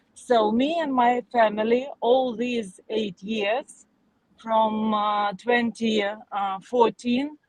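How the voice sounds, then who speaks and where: A woman with a Russian accent speaks at a fairly high pitch with fairly even intonation. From Russia, Moscow. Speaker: interview guest. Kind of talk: interview. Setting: video call while driving. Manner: halting.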